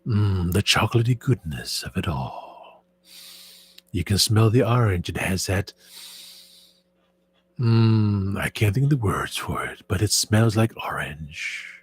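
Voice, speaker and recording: A man voicing a soft-spoken male ASMR presenter in whispered role-play, murmuring slowly as he savors chocolate. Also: fairly low pitch, expressive, a little hiss or hum. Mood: savoring. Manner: slow, hushed, lingering murmurs.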